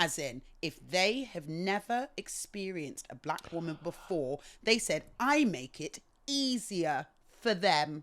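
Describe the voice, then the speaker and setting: Very slow delivery with very wide pitch swings comes through on a very clean recording with a silent background. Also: woman, fairly low pitch for a woman. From England, Bristol. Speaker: content creator. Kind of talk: casual interview chat. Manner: articulate, formal-leaning; direct, animated.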